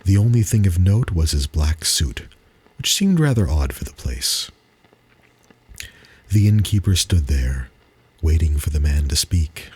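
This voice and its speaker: Deep, very husky male storyteller. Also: very animated, darkish tone. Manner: deliberate, suspenseful, with dramatic pauses. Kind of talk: dramatic reading of a spooky story.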